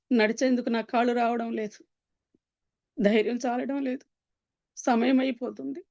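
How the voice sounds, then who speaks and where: A woman giving an emotional personal testimony, earnest and pleading, with pauses and many fillers. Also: medium pitch, darkish tone, dry recording. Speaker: Christian testimony speaker. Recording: dull, dry lo-fi sound.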